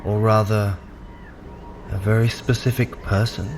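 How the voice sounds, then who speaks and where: A man's voice: fairly low pitch, flat delivery, unhurried, over music, natural voice. A man playing a cool, clever, haughty trickster god in an audio drama, with dry, wry, precise delivery. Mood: wry, needling. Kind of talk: scripted audio drama acting.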